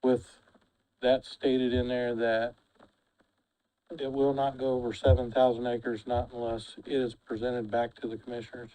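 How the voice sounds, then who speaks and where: A man serving as a county commissioner, speaking bluntly and loudly in a public meeting. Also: mid-range voice, level tone, moderate pace, clean tone, poor audio. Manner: loud and blunt, says he has a loud voice. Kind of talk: formal meeting discussion.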